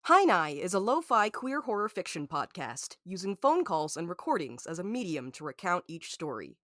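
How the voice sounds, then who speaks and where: A woman's voice: lowish voice, very animated, moderate pace, fairly bright tone, no echo, clean studio sound. A woman reading scripted narration for a podcast promo.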